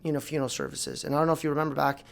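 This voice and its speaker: Gravelly, animated man in his forties. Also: on the high side, racing. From South Florida, United States. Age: 40s. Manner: animated, rambling with restarts and fillers. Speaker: guest, plastic surgeon. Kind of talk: casual interview talk. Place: podcast studio.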